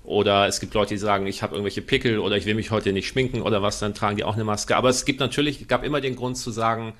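A man's voice: lowish voice, fairly even intonation, fast talker, a bit bright. A man talking as a podcast guest, explaining at length with frequent fillers and restarts. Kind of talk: casual podcast conversation.

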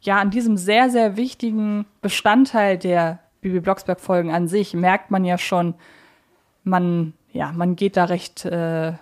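A woman's voice: lowish voice, steady tone, measured pace. A woman co-hosting a casual, analytical podcast, who often searches for her words and corrects herself as she talks. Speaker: podcast co-host.

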